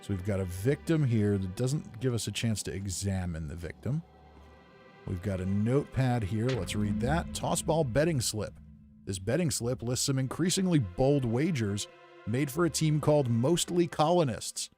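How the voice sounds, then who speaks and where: A man's voice: medium pitch, lively intonation, normal speed, darkish tone, soft background music. A man giving easygoing, casual game commentary, thinking aloud as he plays. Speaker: gamer narrating playthrough.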